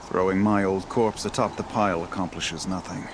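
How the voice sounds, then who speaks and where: Old tribal hunter for a game, lowish voice, tired but proud, solemn storyteller, lots of background noise. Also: male voice, steady tone. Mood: solemn, resolute. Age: older. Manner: solemn, measured, poetic storyteller. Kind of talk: dramatic video game dialogue.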